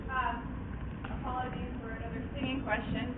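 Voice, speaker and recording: A woman's voice: fairly high pitch, level tone, a little fast. Polite, nervous woman fan. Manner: polite, nervous, filler-heavy. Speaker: fan asking a question. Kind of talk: audience question. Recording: lo-fi hall recording with echo.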